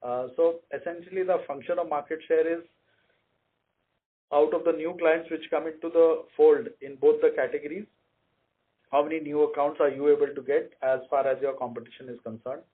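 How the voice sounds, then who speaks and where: A man speaking as a company executive on an earnings call, explaining to analysts in a measured, methodical way over a conference line. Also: fairly high pitch, steady tone, husky, phone-quality sound.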